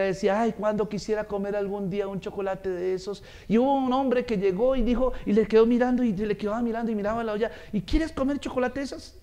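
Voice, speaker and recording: A man preaching a sermon, telling stories and acting out the voices in them, growing loud on his points of praise. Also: high voice. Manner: animated storytelling, acts out quoted voices, swells loud on praise. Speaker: pastor.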